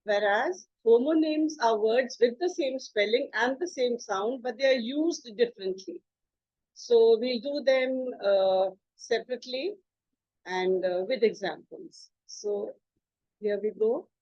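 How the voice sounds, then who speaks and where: A woman English teacher talks through a presentation in a fairly high voice. She explains patiently, spells out words and leans on fillers as she thinks. The recording is dry and a bit muffled, like a basic home setup. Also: measured pace, darkish tone, no echo. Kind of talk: slide presentation lesson.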